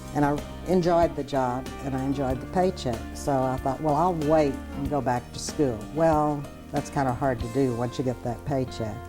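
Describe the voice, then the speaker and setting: A woman with a Texan accent speaks at a moderate pace in a very deep, low pitch with lively intonation. Music plays in the background. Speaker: retired telephone company manager. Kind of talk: oral history interview answer.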